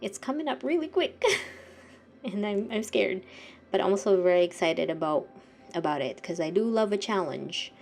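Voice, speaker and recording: A woman's voice: mid-range voice, animated, normal speed, vocal fry, faint music behind. A young woman vlogging casually while she paints, congested and sniffly, rambling and often correcting herself. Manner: rambling, self-correcting, soft-spoken. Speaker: art vlogger. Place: home art studio.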